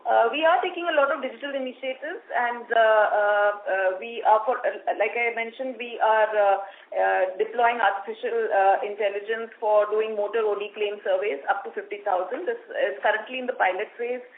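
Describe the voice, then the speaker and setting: A woman with an Indian accent speaking haltingly as a company executive answering questions on an earnings call. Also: fairly high pitch, steady tone. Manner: halting, hesitant delivery. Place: conference phone call. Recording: tinny phone line with noise.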